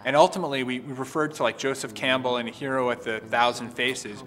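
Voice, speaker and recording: A man who co-created a game, reflecting in a documentary interview, halting and repeating words as he thinks. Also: medium pitch, fairly even intonation, a bit bright. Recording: reverberant room with faint music.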